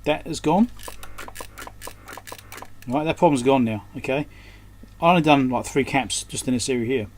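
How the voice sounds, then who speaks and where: A man with a mid-pitched voice talks through hands-on repair work in a casual, unscripted way. He mutters and thinks aloud as he goes. There is clear background noise in the recording. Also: normal speed, pauses often, darkish tone. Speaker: electronics repairer presenting his repair.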